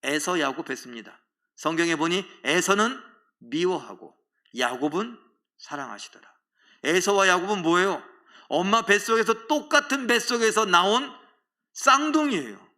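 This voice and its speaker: High, bright-voiced preaching pastor. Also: male voice, expressive, moderate pace. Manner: asks the congregation rhetorical questions; acts out biblical characters in dialogue. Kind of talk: sermon at a Friday prayer service.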